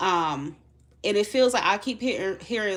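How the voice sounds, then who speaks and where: A woman with an American accent at a fairly slow pace, with ordinary pitch variation. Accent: slight Haitian accent at times. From Miami, Florida. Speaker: tarot reader. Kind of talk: live tarot reading. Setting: livestream. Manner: casual, conversational with many fillers.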